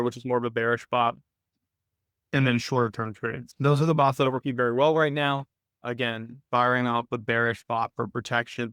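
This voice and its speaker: A man's voice: mid-range voice, fairly bright tone, clean tone, dry recording. A man hosting a live online Q&A call, giving informal financial coaching in an explanatory way, circling back to restate his points. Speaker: host of a live trading Q&A call.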